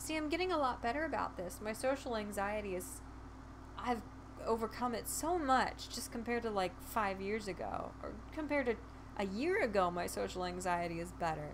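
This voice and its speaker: Audible room echo trails a woman as she speaks at a fairly quick pace. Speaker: streamer. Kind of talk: casual livestream chat, reading quiz questions aloud. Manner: loud at times.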